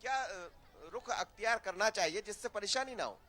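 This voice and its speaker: A man's voice: sits high, lively intonation, moderate pace, bright, forceful tone, slight background noise. A man reporting outdoors in a crowded festival area, asking pilgrims short questions. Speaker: field reporter. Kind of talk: on-the-spot interviews.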